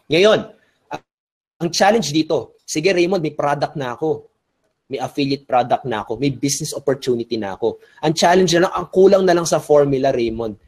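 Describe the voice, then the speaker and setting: A man's voice: on the high side, a little mellow. A man from the Philippines giving a webinar lecture on online business, full of energy and often checking in with rhetorical questions, switching between Tagalog and English.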